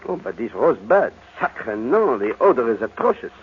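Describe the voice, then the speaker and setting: An actor playing a fussy, shrewd detective with a French accent in an old-time radio drama, theatrical and deliberate. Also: male voice, medium pitch, sing-song, husky. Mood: theatrical, self-assured. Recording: muffled, noisy old radio recording.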